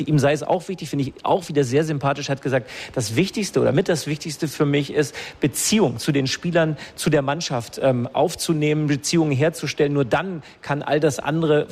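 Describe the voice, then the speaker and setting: A man's voice: mid-range voice, darkish tone, big-room sound. A man reporting live to the studio as a sports reporter, fluent but with frequent hesitations and restarts.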